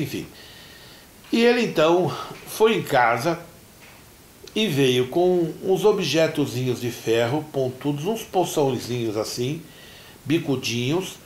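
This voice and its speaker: Brazilian pastor telling a story, echoey. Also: male voice, a little high. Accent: Brazilian Portuguese. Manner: animated storyteller who acts out dialogue. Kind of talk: sermon storytelling. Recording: roomy church echo.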